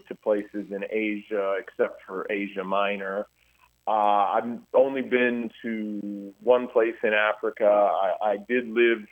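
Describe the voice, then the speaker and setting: A middle-aged man, a historian, speaking earnestly by phone in a radio interview, often restarting his sentences. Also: on the low side. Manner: earnest, halting with many restarts. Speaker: guest historian. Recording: tinny phone line.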